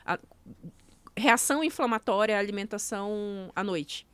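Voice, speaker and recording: A Brazilian nutrition coach appears as a guest in a casual podcast interview, explaining her method one step at a time. Her mid-range voice is fairly bright and clean, with no echo, at a normal speed.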